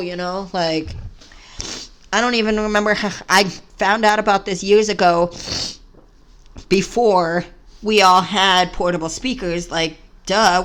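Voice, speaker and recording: A man's voice: sits high, a bit bright. A trans man in his twenties, telling a long story casually to the camera in a chatty, rambling way. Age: 20s. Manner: rambling, chatty, says "y'all". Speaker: vlogger.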